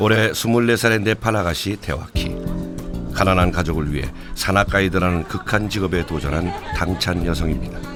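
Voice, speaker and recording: Music plays in the background while a man speaks at a moderate pace. His pitch is very deep and low, with ordinary variation. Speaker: documentary narrator. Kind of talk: documentary narration.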